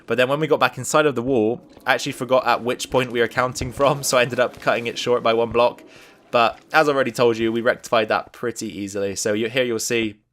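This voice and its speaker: A man's voice: medium pitch, fairly even intonation, fast, a bit bright. A man giving casual gameplay commentary as a let's play host, thinking aloud and explaining each step as he goes.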